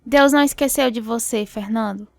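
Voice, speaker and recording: An actress playing a devout, forgiving wife who speaks with earnest reassurance in a radio drama. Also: female voice, on the high side, brisk, creaky. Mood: reassuring. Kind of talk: scripted radio drama dialogue.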